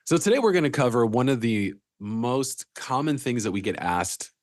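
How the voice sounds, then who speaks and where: A man's voice: mid-range voice, lively intonation, normal speed, no echo. Male co-host trainer, congested and cracking, conversational, dry call audio. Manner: upbeat, conversational, frequent "you know" and "um". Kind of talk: casual online training session.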